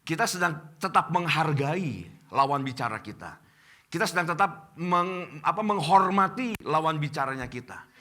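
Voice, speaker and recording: Male pastor, Indonesian accent, middle-aged, sermon delivery, fairly high and very lively. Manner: addresses congregation as Bapak Ibu, animated preaching. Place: church.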